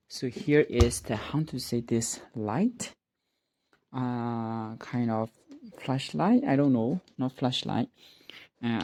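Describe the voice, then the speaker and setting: Hesitant Burmese-accented speaker, slow and casual. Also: medium pitch, a little mellow. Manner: hesitant, searching for English words. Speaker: vlogger practicing spoken English. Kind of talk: casual narration while tidying up. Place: indoors at home.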